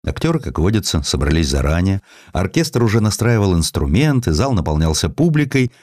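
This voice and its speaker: A man narrating a scripted literary story as an audiobook reader, in an expressive storytelling style. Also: deep voice, a little fast, dry recording, studio quality.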